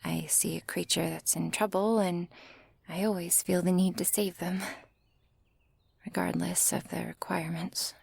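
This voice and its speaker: A woman's voice: fairly low pitch, little pitch movement, unhurried, no room sound. A woman playing a friendly flower shopkeeper in a whispered ASMR roleplay. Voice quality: soft breathy whisper. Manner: friendly, softly welcoming.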